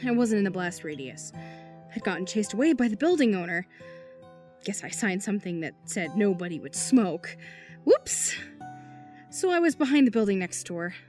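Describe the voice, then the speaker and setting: An actress playing a flustered, rambling aide to a senator, talking to the police. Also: female voice, medium pitch, big pitch swings, normal speed, a little mellow, faint music behind, close to an everyday voice. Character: harried female political aide, chatty and evasive. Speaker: senator's deputy. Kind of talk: audio drama acting.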